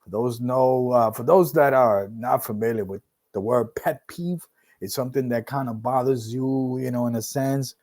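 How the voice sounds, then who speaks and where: A man's voice: mid-range voice, moderate pace. Puerto Rican New York man hosting a podcast. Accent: Puerto Rican and New York mix. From Puerto Rico. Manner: animated, hypes with whoops, repeats words while thinking. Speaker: podcast host. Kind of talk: casual solo podcast monologue.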